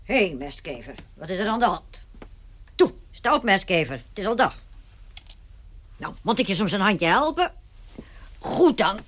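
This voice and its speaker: An actress playing a brash, blunt, callous cleaning woman in a radio play, with a loud and coarse way of talking. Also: medium pitch, big pitch swings, measured pace, long pauses. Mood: taunting. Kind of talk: 1960s radio play acting.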